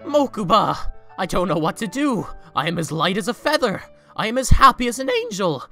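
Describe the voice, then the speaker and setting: A man's voice: sits high, very animated, brisk, bright, forceful tone, faint music behind, heavily acted. A man playing a giddy, generous reformed rich man in an audio drama, exclaiming in formal old-fashioned phrases. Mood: elated. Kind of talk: fan audio drama acting.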